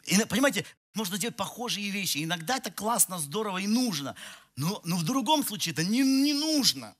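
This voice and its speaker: Sitting high, his very animated voice runs a little fast with a fairly bright tone. A pastor in his forties, he works the stage with gestures while preaching to a church hall through a headset mic, telling a humorous story about himself and restarting frequently.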